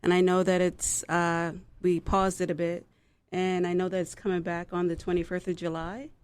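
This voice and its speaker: A woman's voice: on the low side, flat delivery, moderate pace, clean tone. A woman, a city councillor, speaking in a friendly casual way as a guest in a radio studio.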